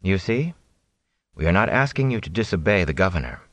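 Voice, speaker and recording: A man voicing a composed, imperious noblewoman who speaks crisply and quickly. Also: sits low, big pitch swings, a bit bright, dry recording. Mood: cool insistence.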